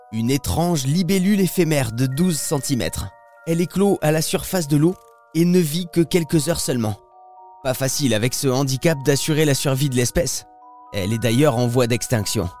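High-pitched man narrating a nature documentary. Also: darkish tone. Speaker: radio host.

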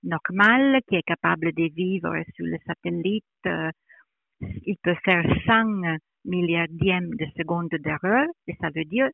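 A woman who is not a native French speaker, explaining in an interview with a foreign accent in French, haltingly searching for words. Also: fairly low pitch, creaky, no room sound, narrow, tinny audio. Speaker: interviewed metrology department director.

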